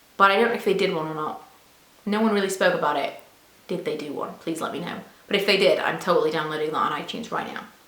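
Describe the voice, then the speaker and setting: A woman speaks at a medium pitch with ordinary pitch variation. Noticeable background noise and audible room echo fill the recording. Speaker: beauty vlogger. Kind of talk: casual chat.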